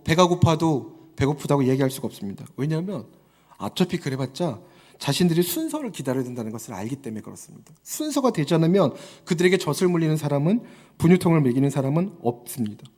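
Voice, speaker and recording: Fervent high-voiced preacher in echoey hall. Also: male voice. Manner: rising to fervent exhortation, acting out quotes. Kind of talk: Sunday sermon.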